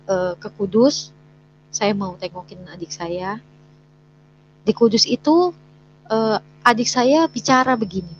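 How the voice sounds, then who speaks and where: A woman sharing her personal testimony as a story, hesitant with many fillers and restarts, sometimes voicing what people said. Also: medium pitch. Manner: acts out quoted dialogue in her story. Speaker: guest sharing a conversion testimony. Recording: dull lo-fi recording with faint hum.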